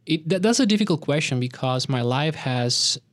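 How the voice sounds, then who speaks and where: Speaking as a guest on a radio interview, a middle-aged Colombian-born orchestra director reflects thoughtfully, pausing often and using many fillers. His voice is a little high and expressive, captured on a dry close mic with no room sound.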